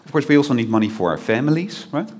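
A man's voice: medium pitch, sing-song, fast, a little mellow, breathy edge. A man from the Netherlands with a Dutch accent, giving a chatty, informal sermon as a guest preacher, full of fillers and restarts.

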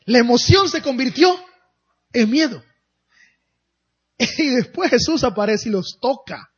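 A man preaching a sermon as pastor, with dramatic pauses and drawn-out emphatic phrases. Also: very high voice, big pitch swings, husky, muffled recording.

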